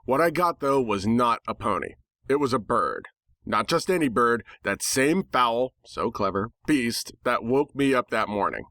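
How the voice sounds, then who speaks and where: A man narrates a first-person tale with theatrical, sardonic flair. His pitch sits in the middle of the male range, and his irreverent delivery comes through in a dry recording with very little room. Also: animated, unhurried, sharp tone, dry recording. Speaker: narrator reading fan fiction. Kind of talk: dramatic first-person story reading.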